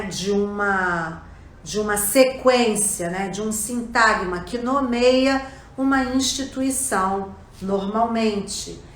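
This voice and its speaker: Brazilian woman language teacher, slow and patient, often checks in with listeners, recorded in a roomy echoey space. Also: medium pitch, fairly bright tone. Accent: Brazilian Portuguese. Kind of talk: explanatory lesson. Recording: echoey room.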